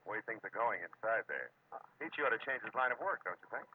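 An actor playing a wry, cynical private detective in a clipped, tough 1940s radio style. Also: male voice, lowish voice, lively intonation, fast, slightly rough. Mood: dry, probing. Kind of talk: 1940s radio acting, scripted first-person narration. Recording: noisy, phone-like old radio recording.

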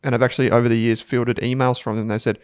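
A man co-hosting a finance podcast, talking in a relaxed, conversational way. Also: medium pitch, quick pace, smooth, no echo, studio quality. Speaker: podcast co-host. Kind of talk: casual finance podcast chat.

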